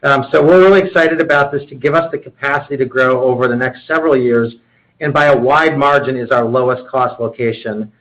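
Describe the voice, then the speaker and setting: A man's voice: medium pitch, brisk, fairly bright tone. A man speaking as a company executive, explaining business matters on a conference call. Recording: dull conference call audio.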